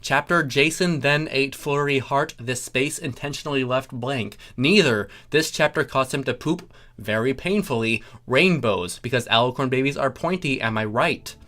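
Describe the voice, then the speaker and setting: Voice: medium pitch, moderate pace, hardly any pauses. A narrator reading a comic story dramatically, with theatrical delivery and wry asides to the listener. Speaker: fan fiction reader. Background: loud music under the reading.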